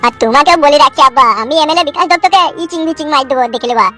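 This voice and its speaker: A woman's voice: high voice, very fast, sharp tone, faint music behind. A woman voicing a hot-headed young man in a cartoon, ranting, swearing and vowing revenge. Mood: vengeful. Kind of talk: cartoon voice acting.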